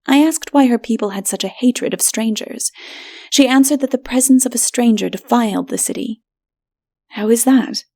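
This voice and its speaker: A woman's voice: on the high side, fairly quick, mellow. A woman reading a story aloud as dramatic, scripted audiobook narration.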